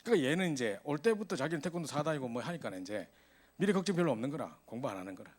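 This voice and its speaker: A man preaching a sermon to a youth service, telling stories in an animated way. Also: a little high, very fast. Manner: animated storytelling, voice rising in exasperation.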